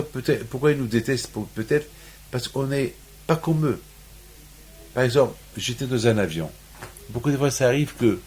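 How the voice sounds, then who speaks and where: A Moroccan rabbi with a medium-pitched, somewhat dark voice gives a sermon on the weekly Torah portion. He restates his points again and again, building up to emphatic peaks.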